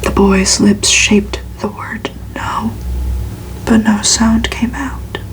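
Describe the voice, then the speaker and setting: Female ASMR reader for gothic fiction: fully whispered, unhurried, very even in pitch. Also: poor audio. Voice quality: soft unvoiced whisper. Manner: slow, hushed, even narration.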